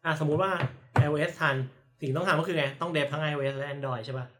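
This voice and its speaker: A man's voice: a little high, quick pace, a bit bright. A man who is a guest teaching chatbot development, explaining step by step with worked examples in a casual podcast chat.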